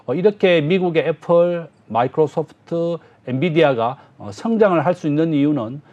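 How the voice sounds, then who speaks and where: Male professor breaking down stocks, higher voice that moves around a lot, lots of uh pauses, kinda dull lo-fi sound. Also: animated, darkish tone. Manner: measured and explanatory, frequent "uh" fillers. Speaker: business professor, guest analyst. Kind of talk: explanatory economic commentary.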